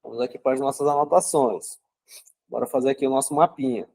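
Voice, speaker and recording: A man's voice: medium pitch, steady tone, fast talker, creaky, a little mellow. A young adult man giving a casual psychology talk, conversational and checking in with listeners as he explains. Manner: conversational, keeps asking "né?" and "certo?".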